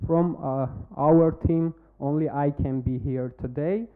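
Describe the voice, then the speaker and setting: A man with an Armenian accent pitching a startup, then answering questions in halting English while searching for words. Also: steady tone, smooth. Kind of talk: demo day pitch and Q&A. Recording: phone-like narrow band.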